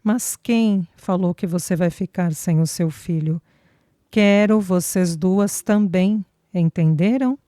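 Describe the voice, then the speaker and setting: A woman's voice: on the low side, slow, warm tone, dry recording, studio quality. A woman reading an older immigrant father who speaks bluntly and drops Italian words into his talk. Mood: humble, firm.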